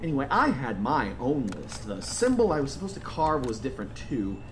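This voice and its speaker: A man's voice: medium pitch, big pitch swings, fairly quick, lightly acted. A man playing a mild-mannered sad circus clown who is secretly a killer, in an audio drama, polite and droll in manner. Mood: calm, smug. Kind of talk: full-cast audio drama acting. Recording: faint background noise and ambience.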